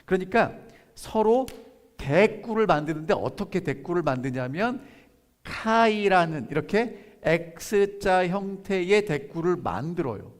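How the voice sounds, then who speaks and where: A pastor preaching a sermon, who keeps asking the congregation questions and then answers them, and reads scripture slowly and softly. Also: male voice, high-pitched, lively intonation. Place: church sanctuary. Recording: long church hall reverb.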